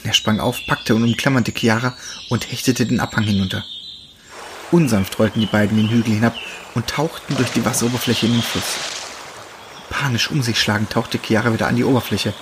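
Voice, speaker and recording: A man reads an animal story aloud in a steady, even voice. His pitch is mid-range. Crickets, birds and insects can be heard clearly behind him. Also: a little fast, background noise. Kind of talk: storybook reading.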